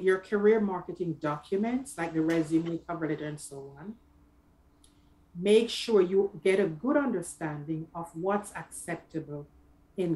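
Measured, emphatic middle-aged woman giving advice. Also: mid-range voice, dark tone, rough recording. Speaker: career coach guest. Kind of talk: conversational advice in an interview. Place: small office, indoors. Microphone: video call.

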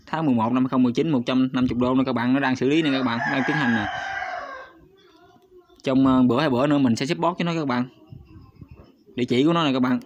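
A YouTube host casually guides viewers through a screen recording in an ordinary mid-pitched voice. He is talkative but hesitant, frequently stopping on fillers and speaking directly to his audience. The recording has a slightly dull, lo-fi quality.

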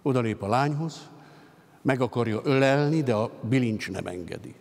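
Gravelly man reading literary prose. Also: medium pitch. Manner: steady, expressive storytelling. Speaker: reader. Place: concert hall stage at a literary gala. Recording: long hall reverb.

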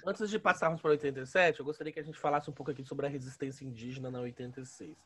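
A man's voice: medium pitch, steady tone, rapid-fire, fairly bright tone, a little hiss or hum. A Brazilian man in his thirties with a sore, inflamed throat, casually explaining as a teacher on a headset in an online lesson, often adding tag questions. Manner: colloquial, often adding "né" and "tá" tags. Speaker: history teacher. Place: small room at home, indoors. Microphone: headset on a video call.

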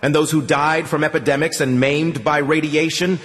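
A man's voice: a little high, steady tone, moderate pace, fairly bright tone, in a large hall, pitched above the performer's own voice, natural voice. A man playing a fiery old priest, accusing. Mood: menacing. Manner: rising, accusing, menacing rhetoric. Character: old male priest, contemptuous, fiery preacher.

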